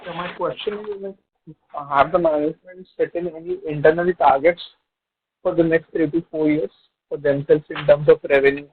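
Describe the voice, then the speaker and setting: A man's voice: fairly high pitch, breathy edge. A man with an Indian accent questioning company management on an earnings call as an investor, persistent and probing. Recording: tinny narrow phone line.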